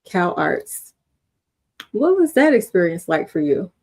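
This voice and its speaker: A woman's voice: fairly low pitch, very animated, a little mellow. A woman interviewing a guest, speaking in a thoughtful, affirming way. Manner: slow, affirming, thoughtful questions. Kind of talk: conversational interview.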